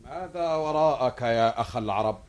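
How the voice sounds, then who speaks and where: An actor playing a grave, pious medieval Arab sultan in a classical Arabic historical drama, solemn and dignified. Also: male voice, medium pitch, a little fast, darkish tone, lightly acted.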